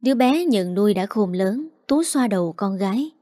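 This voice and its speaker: A woman reading a dramatic story aloud, narrating in a steady scripted style and voicing every character herself. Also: medium pitch, normal speed, no echo, clean studio sound.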